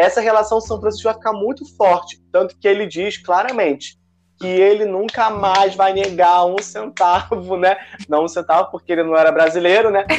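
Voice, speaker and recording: A man's high voice with fairly even intonation. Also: moderate pace. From Baixada Fluminense, Rio de Janeiro state, Brazil. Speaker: Franciscan friar. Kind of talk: casual interview about religion.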